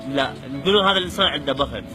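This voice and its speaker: A man's voice: mid-range voice, very fast, low-quality recording. A man with an Iraqi Arabic accent in casual, playful conversation, teasing as he hosts a word quiz. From Iraq. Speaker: host quizzing a guest on Iraqi slang. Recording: music in the background. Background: music.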